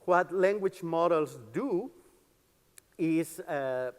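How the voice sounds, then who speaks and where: A man giving an explanatory conference talk as a developer advocate, with an informal, enthusiastic and slightly halting manner. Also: on the high side, expressive, smooth. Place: conference stage, amplified in a large hall. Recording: reverberant hall.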